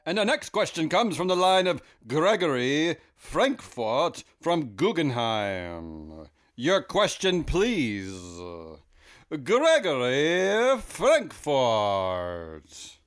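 A man's voice: a little high, wildly swooping pitch, extremely slow, heavily acted. A man playing a formal conference-call operator, announcing questioners in a stiff, theatrical way. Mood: ceremonious. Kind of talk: theatrical reenactment of an earnings call.

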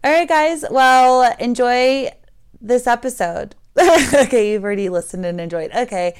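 A woman with a slightly hoarse voice, hosting a casual, informal podcast chat. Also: on the high side, normal speed. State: slightly hoarse from screaming and talking. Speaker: podcast host.

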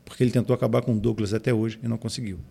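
A man's voice: on the low side, steady tone, rapid-fire, gravelly, warm tone, breathy edge. A man in his forties, a pastor and music arranger, talking in a casual podcast conversation, often repeating and restarting words. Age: 40s. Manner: hesitant with frequent word repetitions.

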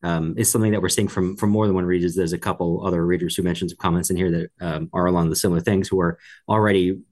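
A man's voice: deep voice, steady tone, fast talker, a little mellow. A man co-hosting a podcast book discussion, going through comments and offering his thoughts. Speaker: podcast co-host.

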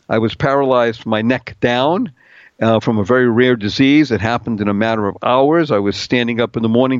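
A man's voice: medium pitch, dry recording, dull audio. A middle-aged man hosting a talk radio show, playful and upbeat, spelling out words letter by letter and singing little bits.

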